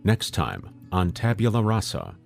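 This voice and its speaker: A man's voice: lowish voice, huge pitch swings, unhurried, vocal fry, soft background music. A man delivering dramatic scripted narration for an episode preview.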